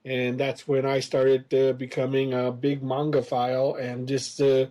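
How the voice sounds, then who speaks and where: A man's voice: medium pitch, monotone, unhurried, mellow. A man in his fifties, raised in the United States, guesting on a podcast and telling long stories full of hesitant "uh"s. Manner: rambling, many hesitant fillers. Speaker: interview guest, comics creator. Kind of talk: casual storytelling interview.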